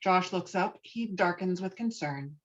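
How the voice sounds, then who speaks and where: A woman's voice: lowish voice, a little slow, muffled recording. A woman reading stage directions as the narrator of a dramatic script.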